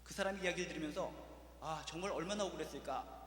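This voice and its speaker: A man's voice: on the high side, quick pace, a bit bright, in a large hall, a little hiss or hum. A male pastor preaching an impassioned sermon full of rhetorical questions, in a church.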